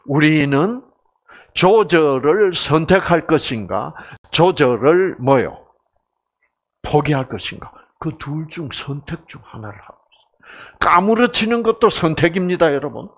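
A middle-aged man giving a lively seminar lecture with jokes. He keeps asking the audience questions and acts out voices and cries. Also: fairly high pitch, a little slow. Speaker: health lecturer.

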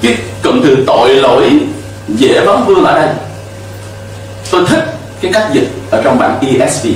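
A man's voice: medium pitch, very animated, moderate pace, heavy reverb, distant mic, a little hiss or hum, rough recording. A middle-aged man preaching a sermon from a church pulpit into a handheld mic, emphatic, with call-and-response to the congregation. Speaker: pastor. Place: church stage with pulpit and cross.

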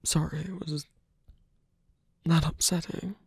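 Man acting a husky, whispery wounded villain. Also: on the high side, level tone, dry recording, heavily acted. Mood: tender, hesitant. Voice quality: breathy, husky, often dropping to a whisper. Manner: hesitant, halting, polite and formal. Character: wounded gentlemanly male villain, tender and wry, in love. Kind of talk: intimate ASMR roleplay acting.

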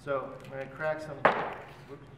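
A man's voice: medium pitch, moderate pace. A man in his forties, a chef teaching a cooking class and explaining each step as he works. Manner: relaxed, explains while working with his hands. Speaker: chef instructor. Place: large hotel function room, indoors. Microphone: far camera. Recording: echoey hall, voice from far off, loud background noise.

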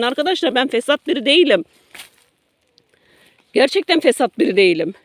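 The recording is dry, carrying the high-pitched voice of a middle-aged woman vlogging from her garden, which sits by a road near woods. Addressing her followers emotionally, she is indignant at first, later apologetic, and she keeps repeating herself.

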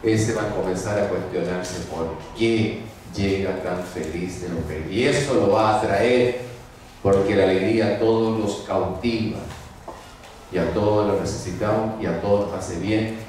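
A man, a priest giving a homily at mass and telling stories with lively acted-out voices. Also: deep voice, normal speed, slight background noise. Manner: lively storytelling, acts out voices. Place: large church. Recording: echoey church from far off.

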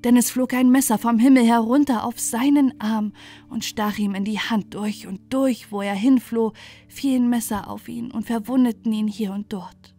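A woman's voice: on the high side, mellow. A woman narrating a scripted bedtime fairy tale as a storyteller. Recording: music bed under the voice.

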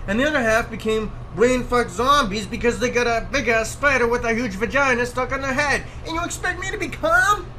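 A man's voice: extremely high pitch, pushed and bright, a little hiss or hum, full character voice, rough recording. An actor playing an irascible, foul-mouthed, exasperated man under pressure. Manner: agitated, exasperated, sweary.

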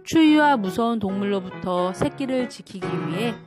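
A woman reading a children's picture book aloud in a gentle, clear manner. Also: medium pitch, expressive, moderate pace, music in the background. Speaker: storybook reader.

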